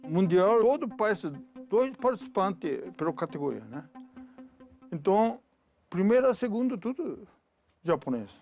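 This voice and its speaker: An older man with a Japanese accent gives a documentary interview in halting, broken speech full of fillers. His voice has a gravelly, creaky texture. Soft music plays faintly behind him. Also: sits high, big pitch swings. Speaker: retired judo champion.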